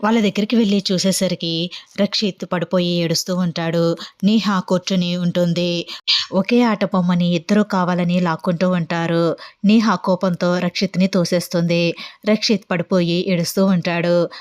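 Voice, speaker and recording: A woman narrating a fan story in a calm, even storytelling manner. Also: on the low side, moderate pace.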